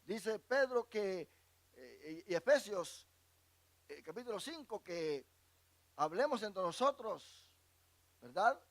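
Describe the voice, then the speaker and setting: A male pastor leads a Bible class, reading scripture verses aloud, explaining them, and asking the congregation questions so they can fill in the words. His voice is high, very animated, and fairly bright, and he speaks slowly with long pauses.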